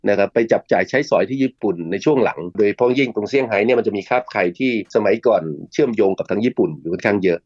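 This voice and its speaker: A man's voice: on the low side, rapid-fire, few pauses, a little mellow, breathy edge, dry recording, highs cut off. A middle-aged man, a guest expert on a talk show, explains at length, with polite particles and the odd repeated word.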